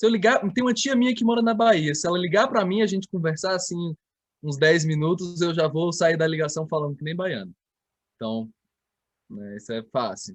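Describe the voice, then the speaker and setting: A man with a high-pitched voice speaks at a moderate pace. His pitch swings very widely. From Ceará, Brazil (mother from Minas, father from Pará). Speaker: physics teacher. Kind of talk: online class, casual chat.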